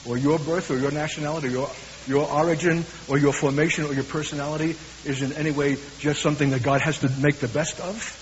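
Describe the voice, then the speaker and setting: A man with a Brooklyn accent preaching a sermon, earnest and emphatic, slowing down for weighty lines. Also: on the high side, steady tone. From USA. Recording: hissy, dull recording in a reverberant hall.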